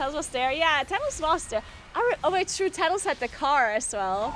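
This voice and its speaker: Amid noticeable background noise, a woman with a German accent speaks with very wide pitch swings. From Germany. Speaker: streamer and esports caster. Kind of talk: casual livestream chat. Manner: animated, halting with fillers.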